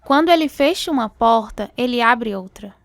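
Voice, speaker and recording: High-voiced supportive devout wife. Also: female voice, expressive, normal speed. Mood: reassuring. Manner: earnest, reassuring. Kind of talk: scripted radio drama dialogue.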